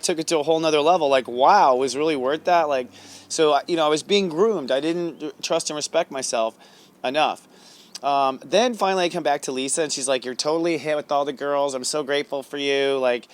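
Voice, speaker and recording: Male host, smooth clear voice, mid pitch, rambling casual storytelling with lots of "like" and "um". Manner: rambling, chatty, many fillers and restarts. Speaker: astrology host and psychic reader. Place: outdoors, plane heard overhead.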